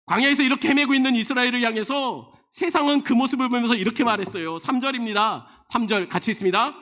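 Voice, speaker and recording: A man who is a senior pastor, preaching a sermon emphatically with many rhetorical questions and frequent sudden drops to a low, quiet voice. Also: quick pace.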